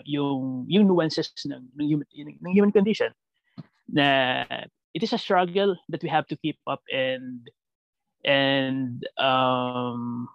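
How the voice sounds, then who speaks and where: Creaky-voiced Filipino man thinking aloud in Taglish. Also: medium pitch, dry recording, muffled recording. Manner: halting, repeats words while thinking aloud. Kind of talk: reflective conversational interview answer in Taglish, mixing Tagalog and English.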